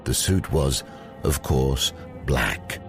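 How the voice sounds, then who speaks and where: Extremely deep, gravelly horror narrator. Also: male voice, animated, over music, heavily acted. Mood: ominous. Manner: deliberate, dramatic pauses. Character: grave, ominous narrator of a gothic horror tale. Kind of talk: scripted audio drama narration.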